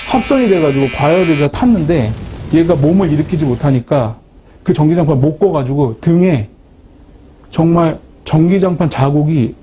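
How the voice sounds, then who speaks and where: A man giving a Christian testimony talk, telling his story in a lively, self-mocking way. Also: a little high, a little hiss or hum. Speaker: Christian speaker sharing a testimony.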